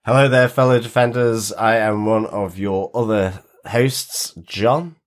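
A man co-hosting a casual podcast chat, congested with a cold, his voice very nasal and croaky. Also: fairly low pitch, steady tone, unhurried. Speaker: podcast host.

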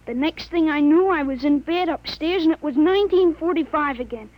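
A woman's voice: high voice, brisk, close to an everyday voice. A woman acting a precocious thirteen-year-old boy in a 1950s radio drama, articulate and matter-of-fact, with precise adult wording. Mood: earnest, matter-of-fact. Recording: dull, lo-fi old radio broadcast.

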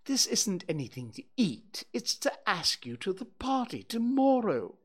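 Man voicing a high, fussy, pompous owl, storybook reading. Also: big pitch swings, a little slow, fairly bright tone, slightly rough, heavily acted. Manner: fussy, insistent, high and emphatic. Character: fussy, self-important male owl.

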